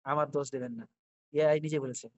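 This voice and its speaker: Chatty man with a slightly high voice. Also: steady tone, quick pace, dry recording. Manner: chatty, addresses viewers as brother. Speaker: video creator. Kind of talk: casual commentary on a chat with an AI.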